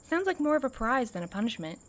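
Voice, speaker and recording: A woman's voice: fairly high pitch, very animated, fast talker. A woman acting in an audio drama as a loyal but uneasy companion with a sardonic, questioning manner. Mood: skeptical, wry.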